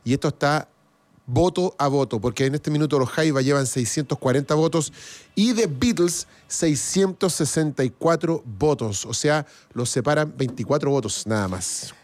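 A Chilean man hosting a casual radio music show, talking with enthusiasm and halting restarts. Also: on the high side, darkish tone, no echo. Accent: Chilean Spanish. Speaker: radio host. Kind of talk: casual radio chat reading listener comments.

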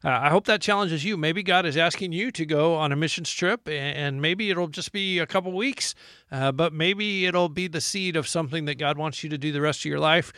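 A man's voice: on the high side, fairly quick, bright, forceful tone, dry recording, clean studio sound. A man hosting a faith interview, speaking in a conversational, encouraging way with frequent fillers and repeats. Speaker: radio show host.

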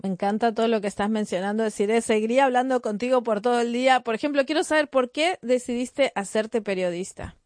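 Argentine woman host, slightly higher voice, lively conversational interviewer, dry recording. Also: fast, hardly any pauses, no echo. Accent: Argentine Spanish. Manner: engaged, chatty, finishes the guest's thoughts.

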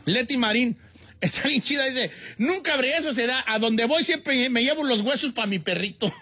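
A man's voice: very high voice, animated, moderate pace, pushed and bright, husky, faint music behind, heavily acted. A man voicing a folksy older Mexican host with a Mexican accent, joking and laughing as he reads listener comments on a comedy talk show. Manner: joking, laughs often, teasing.

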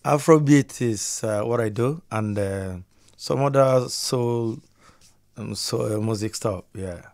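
A man's voice: medium pitch, takes it slowly, gravelly, a little mellow. A man from Nigeria, guest musician on a casual radio interview, upbeat and repeating his phrases.

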